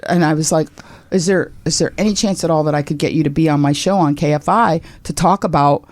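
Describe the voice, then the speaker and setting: A woman in her sixties, a radio talk host, telling a personal story as a guest, exclaiming loudly and acting out quotes with big leaps in pitch. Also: brisk, no echo.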